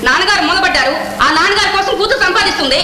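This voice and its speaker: Dutiful young daughter, high echoing voice. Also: female voice, lively intonation, very fast, slight background noise, full character voice. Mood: protesting. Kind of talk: Telugu film drama acting. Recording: very echoey old film, loud music.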